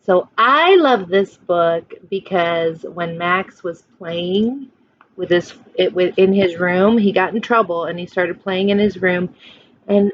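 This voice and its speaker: Woman, storybook read-aloud, unhurried pace, expressive teacher manner, dull lo-fi recording. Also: fairly low pitch. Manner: slow, dramatic storytelling with drawn-out phrases. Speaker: teacher reading aloud to children. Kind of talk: expressive picture-book read-aloud with questions to young listeners.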